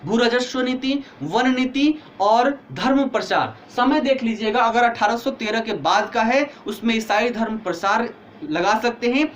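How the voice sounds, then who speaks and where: A man's voice: extremely high pitch, a little slow, a bit bright, slight background noise. A male teacher giving an online exam-prep history lecture, explaining step by step and asking students questions, tired with a headache.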